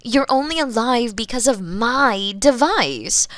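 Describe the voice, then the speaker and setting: A woman playing a smug, menacing female mad scientist in a theatrical ASMR roleplay, condescending and sometimes breathy, close on a binaural microphone. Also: fairly high pitch, lively intonation, slow, a bit bright, no echo. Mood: indignant, condescending. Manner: theatrical, condescending, sighing, slipping into breathy whispers. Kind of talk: roleplay ASMR monologue, spoken to the listener.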